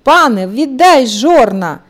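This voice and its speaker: A woman voicing a small, bold, stubborn male rooster in a told fairy tale, shouting insistent demands in a higher, louder voice. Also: lively intonation, measured pace, lightly acted. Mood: demanding.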